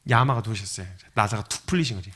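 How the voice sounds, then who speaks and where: Energetic male missionary preacher; fast, bright, animated storyteller. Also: fairly low pitch. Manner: animated storytelling, acts out scenes with sound effects. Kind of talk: sermon to young adults.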